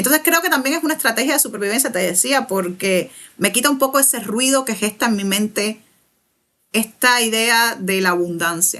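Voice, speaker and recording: Lively intonation from a woman, fairly high in pitch, at a moderate speed. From Cuba. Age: 30s. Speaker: writer. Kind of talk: interview.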